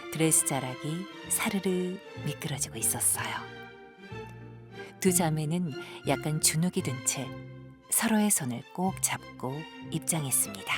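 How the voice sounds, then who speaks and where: A woman narrating an audio drama like a storyteller, gentle and measured, with breathy sentence endings. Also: sits low. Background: music.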